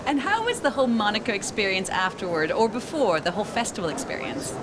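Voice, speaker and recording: A woman interviewing two actors, asking lively, inquisitive questions. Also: medium pitch, quick pace. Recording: traffic noise outdoors.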